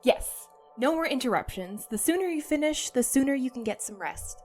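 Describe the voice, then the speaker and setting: Casting: actress for reassuring female friend in an audio drama, fairly high voice, matter-of-fact, music underneath. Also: lively intonation, normal speed. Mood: reassuring, firm. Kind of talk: audio drama acting, conversational.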